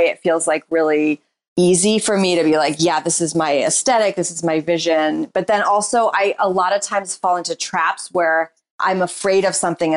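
A woman with a slightly low voice gives a candid, reflective interview about her work as a writer and performer. Her talk is loose and searching, full of "like" and "you know" as she works out her thoughts. She is a self-described introvert who still opens up easily. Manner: describes herself as shy and introverted.

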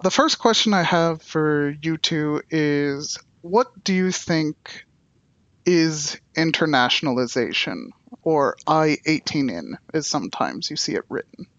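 A man's voice: fairly high pitch, lively intonation, unhurried, fairly bright tone, no room sound, highs cut off. A man hosting a podcast, introducing guests and putting questions to them. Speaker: podcast host.

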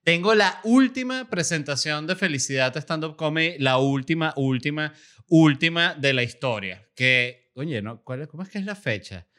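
A man's voice: a little high, animated, moderate pace, sharp tone. A man hosting a comedy podcast, talking in a loose, playful monologue with jokes and asides. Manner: playful, jokey, shifts into mock ASMR murmur. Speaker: podcast host and stand-up comedian.

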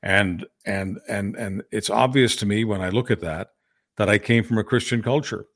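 Older Hungarian-born man, earnest and deliberate. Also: lowish voice, fairly bright tone. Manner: earnest, repetitive restarts. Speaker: podcast co-host. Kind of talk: casual political discussion.

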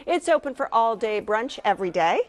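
A woman's voice: on the high side, big pitch swings, a little fast. A woman hosting a food show, upbeat as she prompts her guests. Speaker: host.

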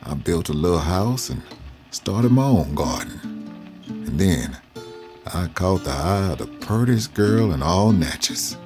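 An actor playing an old freed man from the South who tells his life story slowly and reflectively. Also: deep voice, expressive, over music. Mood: reminiscing. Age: older. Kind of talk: audio drama narration.

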